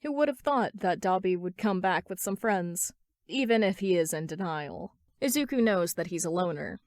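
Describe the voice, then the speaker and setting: A woman's voice: on the low side, expressive, moderate pace, a little mellow, dry recording, studio quality. A woman reading scripted fan fiction as an amateur story narrator.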